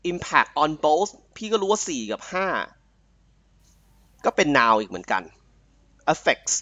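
Young man, from thailand, online tutor, animated pitch, dead-dry close mic. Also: dry recording. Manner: reads passage aloud slowly, then explains fast and chatty, calling the student "ลูก". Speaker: IELTS tutor. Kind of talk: live online tutoring, Thai mixed with English. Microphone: online call mic.

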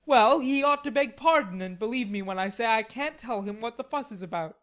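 A woman's voice: fairly high pitch, lively intonation, fairly quick, pitched above the performer's own voice, close to an everyday voice. A woman voicing an indignant, stubborn teenage boy in a storybook, petulant and blustering. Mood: sulky, defiant. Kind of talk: storybook character dialogue.

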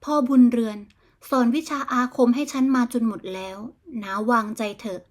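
A woman's voice: a little high, normal speed, darkish tone, natural voice. A woman voicing a polite but blunt young village man, a sorcerer's son, in a bedtime storybook reading. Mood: reassuring.

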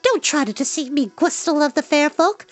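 A man acts out a fierce, bossy young girl from a fantasy storybook. The voice is a very high falsetto that swings widely as it scolds and insists, recorded close and dry. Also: expressive, normal speed, no room sound. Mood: fierce, threatening.

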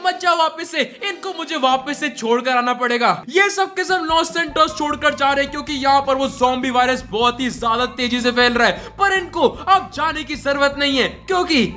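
Excitable high-voiced gaming commentator man. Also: normal speed, hardly any pauses. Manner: excitable, chatty narration to viewers. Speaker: gaming YouTuber. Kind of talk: Hindi gameplay commentary.

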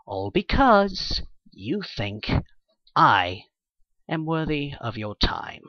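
A man's voice: on the high side, sing-song, extremely slow, dry recording, muffled recording, exaggerated voice. A man voicing a condescending, irritable, self-important male pony for a fantasy game, haughty, sarcastic and dismissive. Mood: sarcastic resentment. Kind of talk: character voice audition for a fantasy game.

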